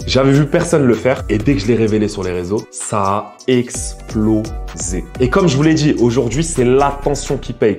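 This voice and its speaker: A man's voice: fairly low pitch, darkish tone. A young man in his twenties talking to the camera in a vlog, boastful and self-assured, speaking straight to his viewers. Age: 20s. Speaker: influencer and investor. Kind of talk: direct-to-camera vlog monologue.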